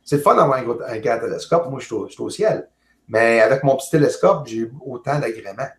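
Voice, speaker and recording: A jovial man with a Québécois accent talks over a video call, halting along with fillers and restarts. His voice sits at an ordinary middle pitch. The room around him sounds noticeably echoey. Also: lively intonation. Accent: Québécois French. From Quebec, Canada. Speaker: guest, amateur astronomer. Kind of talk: casual video call chat. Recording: roomy echo.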